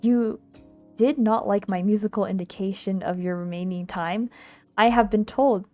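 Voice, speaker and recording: Woman VTuber, mid pitch, expressive livestream read-aloud of a visual novel, giggly asides, game music underneath. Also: moderate pace. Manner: giggly, expressive, stumbles while reading aloud. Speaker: streamer, VTuber.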